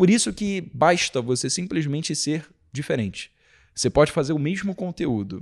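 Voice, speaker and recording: An ordinary speaking voice moves at a moderate pace with lively intonation. The background is quiet. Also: man, fairly high pitch for a man. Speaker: podcast host. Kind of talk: casual interview chat.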